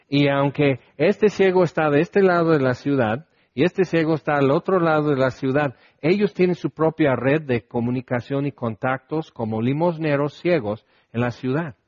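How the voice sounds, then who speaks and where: A man's voice: on the high side, a little mellow, dry recording, lo-fi sound. A man preaching a conversational sermon, asking his listeners questions and acting out the lines he quotes.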